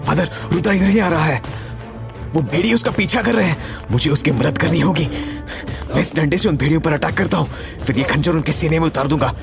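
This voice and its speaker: An actor playing an earnest, brave young lawyer in a horror audio drama, anxious and insistent. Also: male voice, a little high, a little fast, gravelly, over music. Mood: alarmed, determined.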